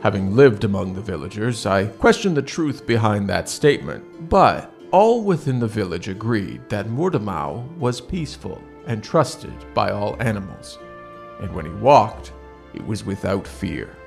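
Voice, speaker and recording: Male tabletop storyteller, low and animated, formal measured phrasing, faint music behind. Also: gravelly. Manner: formal, measured, halting wording. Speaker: player in a tabletop roleplaying game. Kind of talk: improvised in-character storytelling.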